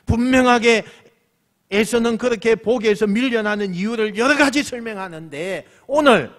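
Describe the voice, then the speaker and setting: A man's voice: very high voice, moderate pace, fairly bright tone. A male senior pastor preaching a sermon emphatically, repeating phrases and putting questions to the congregation.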